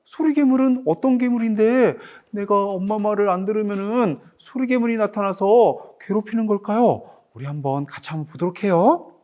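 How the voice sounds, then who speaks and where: A middle-aged man, a picture book author, reads his book aloud to children in an animated teacher's manner and keeps asking them questions. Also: high voice, moderate pace.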